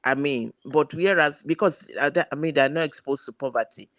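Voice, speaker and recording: A man's voice: on the high side, fairly quick, no echo. A man from Nigeria, now in the United States, talking in a group discussion over a call. He speaks earnestly and gropes for words with lots of "I mean". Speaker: discussion participant. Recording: dry, muffled call audio.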